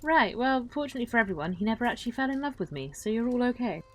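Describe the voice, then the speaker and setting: A woman playing a wry, self-possessed western traveler, recounting tales casually with dry understatement and deliberate, hesitant phrasing. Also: on the high side, sing-song, a bit bright. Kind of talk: casual in-character campfire storytelling.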